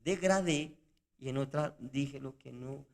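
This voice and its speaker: A man's voice: mid-range voice, unhurried, creaky. A man co-hosting a Christian podcast, explaining points emphatically and acting out example lines in casual discussion. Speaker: podcast co-host.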